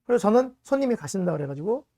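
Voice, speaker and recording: A man's voice: high-pitched, very animated, rapid-fire, mellow, no room sound, studio quality. Man preaching with a personal story. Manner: storytelling, addresses the congregation directly. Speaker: pastor.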